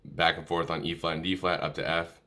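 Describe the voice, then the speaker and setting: A man's voice: deep voice, flat delivery, brisk, background noise. A man presenting an informal music tutorial, talking through notes hesitantly as if thinking aloud. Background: musical instrument playing.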